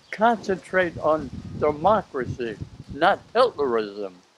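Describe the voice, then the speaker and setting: A fairly high male voice with an American accent, dry with no echo, over noticeable background noise. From US Northeast (Bayonne, New Jersey). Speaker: war veteran. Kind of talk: tender life reflection from a centenarian, advice and gratitude. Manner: halting, repeats and restarts words often; warm, sentimental and heartfelt, gushing about family. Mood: earnest, emotional. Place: garden.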